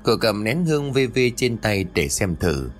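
A man narrating a horror story, expressive and rising for tense moments. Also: fairly low pitch, measured pace, faint music behind.

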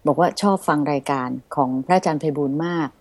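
A woman hosting a radio talk show, speaking politely and softly with many courteous particles. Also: low-pitched, fast talker, dry recording. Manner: polite, soft-spoken, frequent polite particles. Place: radio studio.

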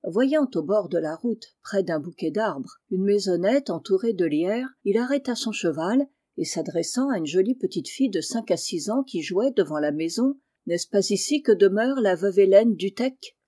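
A woman reading a classic children's novel aloud in a measured, even storytelling manner. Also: medium pitch, husky, dry recording, studio quality. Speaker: audiobook reader. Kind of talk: scripted narration.

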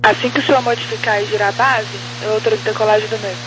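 A female air traffic controller issues procedural instructions over aviation radio. She speaks quickly in a flat, even tone, and the channel carries clear hum and noise. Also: mid-range voice. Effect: aviation two-way radio.

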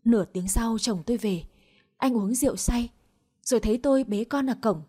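A woman reading a scripted first-person story in a steady, plaintive way. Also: a little high, moderate pace.

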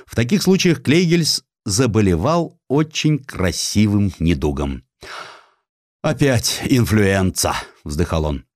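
Guy reading a historical satire audiobook, really lively and ironic, super dry recording. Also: mid-range voice, no echo. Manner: theatrical, ironic storytelling. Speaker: audiobook narrator. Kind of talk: expressive scripted narration of historical satire.

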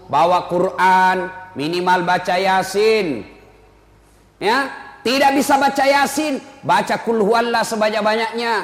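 A man preaching a humorous sermon in a joking, lively way, acting out little scenes. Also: high-pitched. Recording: echoey hall with long reverb.

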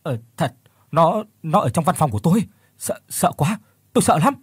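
A man's voice: fairly high pitch, a little fast, a little mellow, slightly rough, dry recording, studio quality. A man voicing a terrified young male office worker who stammers and screams in panic in a spoken horror story. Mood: stammering fear.

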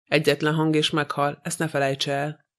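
A man voicing a tall, brutal male intruder who speaks roughly and with threats in an audiobook. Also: a little high, monotone, a bit bright, natural voice. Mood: menacing.

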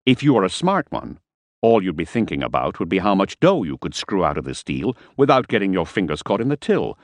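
A man's voice: low voice, sing-song, a little fast, no room sound, clean studio sound, voice pushed up. A man reading aloud and voicing a menacing, sarcastic male crime boss, with curt and bullying speech.

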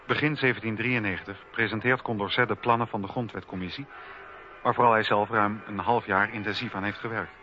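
A man's voice: on the low side, fairly even intonation, a little fast. A man narrating history from a script for a documentary radio play. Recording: dull radio recording with faint music.

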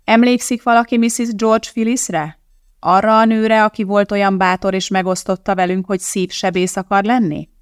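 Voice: medium pitch, little pitch movement, clean tone, no room sound, pitched above the performer's own voice, close to an everyday voice. The reader voices a resolute woman chemist who hosts a TV cooking show, speaking firmly and declaiming to a studio audience. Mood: rousing. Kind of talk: audiobook character voicing.

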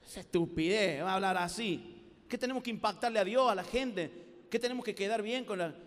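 A man with a Rioplatense Spanish accent preaches a lively youth sermon. He tells stories and acts out every voice in them. His voice sits high, and a long reverb from the large hall trails after each phrase. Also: a little fast. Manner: animated storytelling with acted-out voices.

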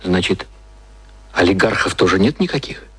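An actor playing a naive, unsettled male employee in a radio drama, asking halting, baffled questions. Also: low-pitched, expressive, sharp tone, breathy edge, exaggerated voice. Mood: confused, probing.

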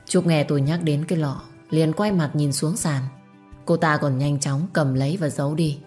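Phụ nữ giọng trầm, kể chuyện, đọc truyện tâm lý, nhạc nền nhẹ. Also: female voice, low-pitched, steady tone, normal speed, a little mellow, faint music behind. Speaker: storyteller. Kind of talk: dramatic story narration.

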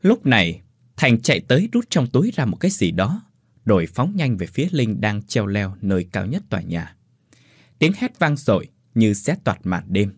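A man narrating a dramatic ghost story in an animated, lively way, putting on voices for the characters. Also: fairly low pitch, moderate pace, slightly rough, no room sound, clean studio sound.

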